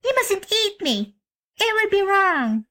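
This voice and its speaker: A woman voicing a bold, bossy little girl in a storybook reading, with a high, insistent voice. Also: very animated, takes it slowly, pushed and bright, heavily acted.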